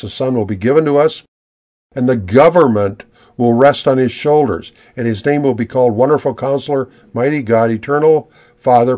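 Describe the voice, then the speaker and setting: Earnest man preaching a sermon. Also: medium pitch. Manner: earnest, builds excitement retelling the crowd. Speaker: pastor. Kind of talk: expository sermon.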